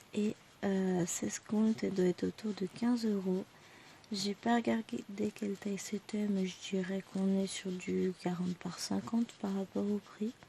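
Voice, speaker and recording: A soft-spoken woman of medium pitch talks at a fairly slow pace with fairly even intonation. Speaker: craft YouTuber. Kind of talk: casual chat during coloring tutorial. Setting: at home. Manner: casual with many fillers.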